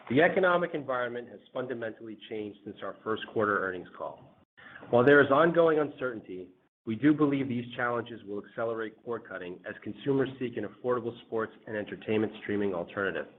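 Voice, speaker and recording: A man's voice: mid-range voice, animated. Man on a tinny conference line. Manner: formal, measured read-out delivery. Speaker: company executive. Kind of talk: scripted corporate earnings presentation. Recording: phone-like conference line with faint noise.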